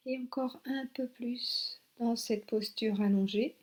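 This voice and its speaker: A woman guiding a yoga relaxation meditation as an instructor, giving soothing, unhurried instructions with long pauses. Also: fairly high pitch, fairly even intonation. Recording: soft new-age music behind. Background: new-age relaxation music.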